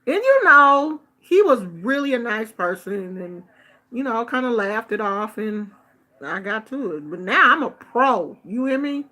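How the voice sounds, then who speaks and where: A middle-aged woman from the United States tells a casual story with a chatty, expressive delivery. Her voice sits a little high and sounds bright, and she takes her time. She slips into other people's voices when she quotes them. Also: a little slow. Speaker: vlogger. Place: Bay Area.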